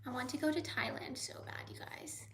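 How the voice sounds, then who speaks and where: A young American woman hosting a casual livestream, reading viewer comments aloud and often slipping into soft whispers. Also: high-pitched, fairly even intonation, fairly quick. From United States. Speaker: livestream host.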